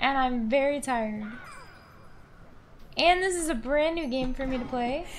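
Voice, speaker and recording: A woman speaks at a moderate pace in a high pitch with ordinary pitch variation. She leaves long, frequent pauses over light background noise. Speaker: streamer. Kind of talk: live gaming stream commentary. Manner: sarcastic.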